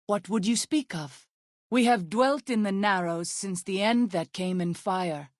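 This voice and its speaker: An actress voicing a solemn, devout tribal woman in a video game, speaking in a formal, measured and earnest way. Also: medium pitch, dry recording, clean studio sound, close to an everyday voice. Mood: grave. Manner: formal, measured, earnest speech with few contractions. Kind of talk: video game character dialogue.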